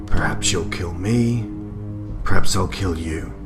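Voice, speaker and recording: A hard, weary vigilante in a radio drama. His low voice is slow and deliberate, heavy with menace, over prominent music. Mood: grave, measured.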